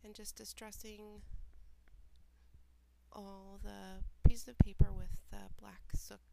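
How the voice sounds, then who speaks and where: A woman with a stuffy, nasal cold, calmly talking through the steps of a craft tutorial in a voiceover. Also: mid-range voice, slow, vocal fry, noisy background. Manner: relaxed, plain step-by-step explaining with small asides. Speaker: mixed media artist. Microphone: home voiceover recording.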